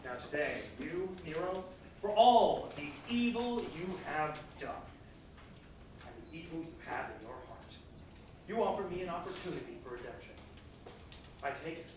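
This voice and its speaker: A man in a staged reading playing a weary, defiant condemned Christian, speaking solemnly and deliberately. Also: a little high, lively intonation, natural voice. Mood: solemn, resolute. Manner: solemn, deliberate, earnest declamation. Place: large reverberant performance space, staged reading. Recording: echoey hall from far off, faint noise.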